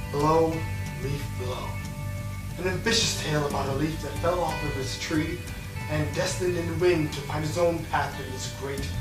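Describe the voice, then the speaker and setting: A man's voice: fairly high pitch, echoey room, recorded from a distance, close to an everyday voice, low-quality recording. A man playing a pretentious, self-worshipping film auteur in a mock documentary interview. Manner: grandiose, pretentious, self-serious. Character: pompous self-worshipping male auteur filmmaker.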